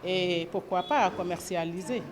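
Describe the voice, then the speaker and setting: A woman who took part in a training, answering interview questions with hesitant pauses. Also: lowish voice, a crowd in the background. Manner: hesitant, with fillers. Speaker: training participant.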